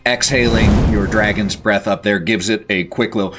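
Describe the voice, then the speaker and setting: A man narrating a tabletop fantasy game as game master, in a measured, descriptive storytelling manner. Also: lowish voice, fairly even intonation. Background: faint music.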